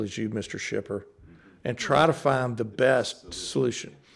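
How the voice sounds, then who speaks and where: A man talks at a moderate pace in a Memphis accent. The recording is very clean, and the background is silent. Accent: Southern US (Memphis). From Memphis, Tennessee. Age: 60s. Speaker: retired logistics company founder. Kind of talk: interview. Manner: halting.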